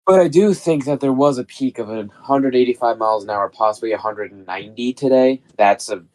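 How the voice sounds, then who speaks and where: A man guest on a live weather stream, a little raspy from being sick, explaining storm data steadily. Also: medium pitch, brisk, darkish tone.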